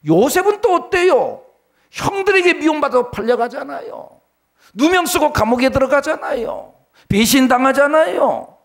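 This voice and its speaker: Middle-aged man, pastor; high, lively, gravelly voice; dramatic sermon with acted-out quotes. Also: moderate pace. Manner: preaching with big swings between loud emphasis and hushed low lines; acts out quoted voices in dialogue.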